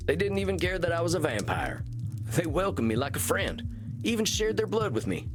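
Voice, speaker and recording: An actor playing an earnest, self-effacing cowboy vampire, a reformed outlaw, with a folksy American Western drawl in a video game. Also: male voice, a little high, sing-song, fairly quick, music in the background. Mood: wistful, reflective. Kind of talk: video game character dialogue.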